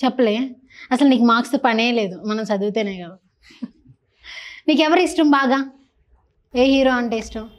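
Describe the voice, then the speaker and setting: A woman interviewer with a slightly high voice chats with young children. She teases them playfully and keeps the talk light and casual. She speaks into a handheld mic. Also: normal speed, pauses often. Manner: playful, teasing, chatty with kids.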